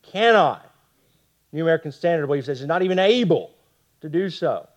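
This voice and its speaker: A man teaching a Bible study to a group, talking fast and often checking in with his listeners. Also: fairly high pitch, darkish tone, dull audio.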